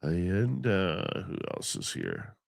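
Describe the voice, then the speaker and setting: A man's voice: deep voice, huge pitch swings, slow pace, vocal fry, no room sound, studio quality. Stuffy-nosed sleepy male radio host. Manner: rambling, chatty, affectionate with viewers. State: congested, stuffy nose; sleepy, just woken up. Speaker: host of a live call-in radio stream. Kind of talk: casual live show chat, reading out chat names.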